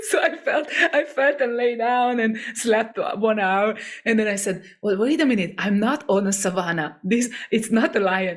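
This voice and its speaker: In a Hungarian accent, a woman speaks at a moderate pace and fairly high pitch with ordinary pitch variation, over noticeable background noise. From Hungary. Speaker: singer-songwriter and voice coach. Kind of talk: interview conversation.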